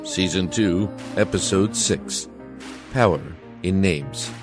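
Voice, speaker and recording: A man's voice: deep voice, takes it slowly, music in the background. A man announcing titles for an audio drama in a scripted style.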